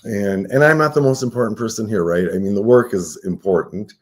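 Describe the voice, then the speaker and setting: A man's voice: fairly low pitch, a little fast. A man in his sixties, a nonprofit CEO, speaking as a guest in a casual radio interview, reflective and earnest, often checking in with "right?". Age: 60s.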